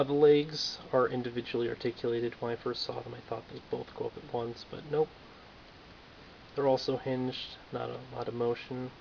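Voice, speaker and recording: A man's voice: mid-range voice, gravelly. A man casually reviewing a toy figure in a dry, offhand, self-mocking way, in a lo-fi home recording with faint hiss.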